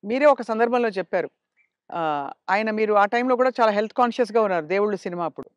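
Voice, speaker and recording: High-pitched, lively male interviewer. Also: fast talker, no echo. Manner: prompts with short murmured agreements. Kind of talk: interview questions.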